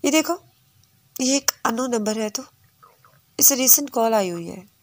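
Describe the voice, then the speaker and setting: Brief: nervous, chatty young woman with a raised pitch, read by a female narrator. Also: expressive, measured pace, no room sound. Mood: anxious.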